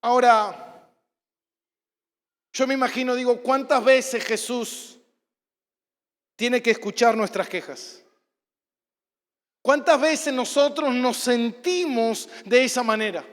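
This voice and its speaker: A man, a pastor with a Rioplatense Argentine accent, preaching a sermon and acting out stories, at times bursting into shouts. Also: very high-pitched, takes it slowly, pauses often. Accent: Rioplatense Spanish. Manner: storytelling, acts out scenes, bursts into shouts. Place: church hall. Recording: church hall reverb.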